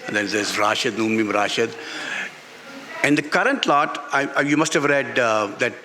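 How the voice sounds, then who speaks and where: Bright-voiced Pakistani man in a reverberant space. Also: medium pitch, a little hiss or hum. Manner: halting, repeats phrases emphatically. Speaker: author being interviewed. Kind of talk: unscripted on-stage literary interview. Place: literature festival stage before an audience. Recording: reverberant public-address sound at festival.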